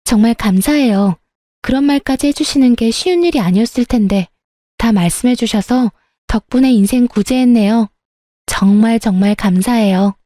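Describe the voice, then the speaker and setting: A woman's voice: fairly high pitch, normal speed, mellow, no echo, clean studio sound, natural voice. A woman voicing a scornful young bride-to-be. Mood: grateful. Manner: cutting, scornful, blunt. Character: sharp-tongued young woman calling off her wedding.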